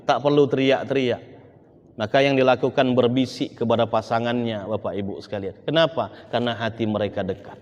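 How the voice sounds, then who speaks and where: A man giving a sermon as an Islamic preacher, often turning to his listeners and swinging between loud emphasis and hushed tones. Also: mid-range voice, highs cut off. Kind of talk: sermon to a congregation. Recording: long hall reverb.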